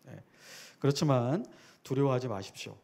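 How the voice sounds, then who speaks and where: A man's voice: medium pitch, expressive, normal speed, gravelly, mellow. A man preaching a sermon as a guest preacher at a church worship service, speaking earnestly and conversationally and asking the congregation rhetorical questions.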